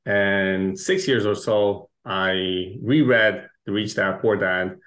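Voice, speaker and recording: A man from Chile, a guest speaking earnestly and a little haltingly. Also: on the low side, fairly even intonation, fairly bright tone, low-quality recording. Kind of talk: casual interview chat.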